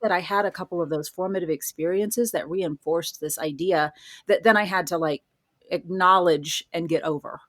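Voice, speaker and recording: A woman's voice: on the low side, normal speed, fairly bright tone, dry recording, studio quality. A middle-aged woman telling her own story in a casual interview, articulate and self-deprecating. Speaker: podcast guest, horror writer and college professor.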